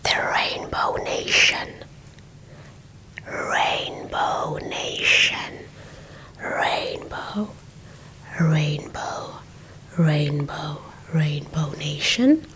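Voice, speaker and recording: A young South African woman with a South African accent, whispering an ASMR lesson as she recovers from flu, softly repeating words into a close mic. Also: sits low, lively intonation, extremely slow, long pauses, low-quality recording. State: recovering from flu, a little hoarse. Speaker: ASMR creator. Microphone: close microphone.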